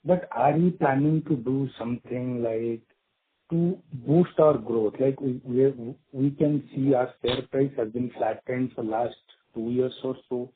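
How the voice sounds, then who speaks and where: A man's voice: mid-range voice, unhurried, slight background noise. A man with an Indian accent calling in as an individual investor, asking conversationally and often seeking confirmation. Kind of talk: conversational question on a conference call. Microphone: phone. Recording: poor, muffled breaking-up phone line.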